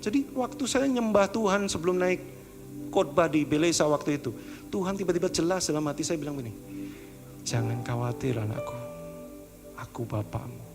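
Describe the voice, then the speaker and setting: A man preaching a sermon, talking in a casual, chatty way that swings from high pleading to hushed tones. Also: quick pace, over music. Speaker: pastor. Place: church service.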